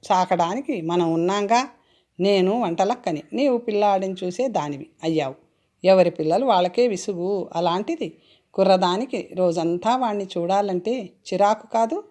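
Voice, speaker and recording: A woman voicing a sharp-tongued older mother-in-law who scolds and whines. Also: mid-range voice, normal speed, natural voice. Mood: grumbling. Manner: scolding, whining.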